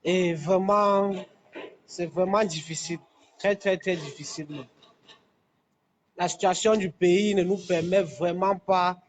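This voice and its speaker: A man from Cameroon's anglophone South-West calls in to a live stream from a construction site. His voice sits quite high, and he speaks hesitantly, often repeating himself. Faint site ambience runs behind him. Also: fairly even intonation, unhurried, pauses often, a little hiss or hum. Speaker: caller. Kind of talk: phone-in call to live stream.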